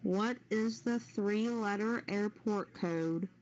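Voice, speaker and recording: A woman's voice: mid-range voice, slow, darkish tone. A woman hosting a live quiz, reading out trivia questions and confirming the answers for participants. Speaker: quiz host. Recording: dull, noisy lo-fi voice-chat audio.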